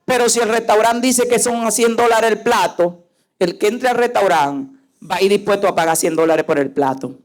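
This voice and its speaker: A woman's voice: medium pitch, moderate pace. A woman pastor preaching a sermon, emphatic and full of rhetorical questions to her listeners.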